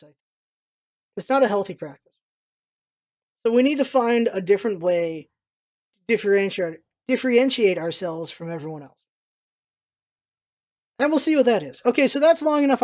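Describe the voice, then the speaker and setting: A man's voice: high voice, darkish tone. A male vlogger talks off the cuff and gives his opinions freely. He rambles through his points and often says a phrase again to drive it home. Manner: rambling, repeats himself for emphasis. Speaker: vlog host, gaming content creator. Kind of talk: casual opinionated commentary.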